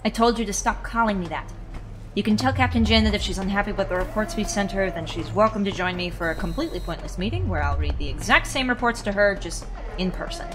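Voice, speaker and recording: An actress plays a brisk woman in command, dry and sardonic. Her voice is medium-pitched, in audio-drama style, with music clearly behind it. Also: animated, close to an everyday voice. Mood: sardonic, irritated. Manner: sardonic, no-nonsense. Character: brisk, wry woman director in charge.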